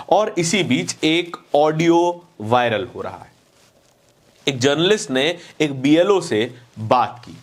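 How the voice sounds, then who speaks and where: Emphatic male news commentator, slightly high voice. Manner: emphatic, repeats phrases for effect, rhetorical questions. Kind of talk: opinionated news commentary to camera.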